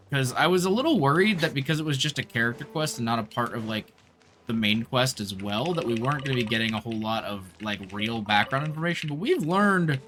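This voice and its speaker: Expressive young male game streamer. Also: mid-range voice. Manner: slangy, expressive. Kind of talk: casual live gameplay commentary. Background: game music.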